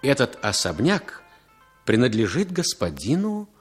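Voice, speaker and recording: Guy narrating an old radio play, lively up-and-down delivery, music under him. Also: medium pitch. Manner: measured, expressive reading of stage directions.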